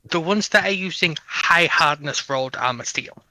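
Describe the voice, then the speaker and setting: A man's voice: on the high side, moderate pace, pushed and bright, dry recording. A man in an informal debate, insistently contradicting and correcting the other side. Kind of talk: informal military history debate.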